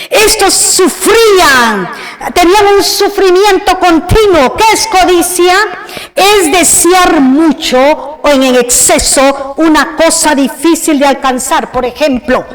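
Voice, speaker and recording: A woman preacher delivering a sermon with emphatic, occasionally shouted phrases, acting out quoted voices as she tells the story. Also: extremely high pitch. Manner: acts out quoted voices in dialogue. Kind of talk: Spanish sermon.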